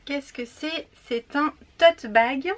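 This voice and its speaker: Young woman doing a book box unboxing, chatty and upbeat, slightly high voice, takes her time. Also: slow pace. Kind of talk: casual unboxing chat.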